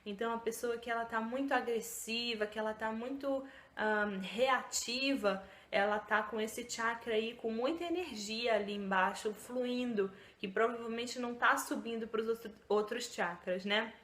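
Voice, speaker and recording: A woman's voice: on the high side, normal speed, few pauses, a bit bright, roomy sound. A woman vlogger giving casual self-help talk to the camera, chatty, with many fillers and tag questions.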